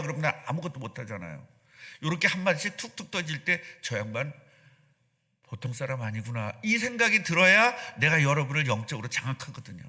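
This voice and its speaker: Lively, bright-voiced male pastor preaching. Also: on the high side. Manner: animated, asks the congregation questions. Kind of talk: sermon. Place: church sanctuary.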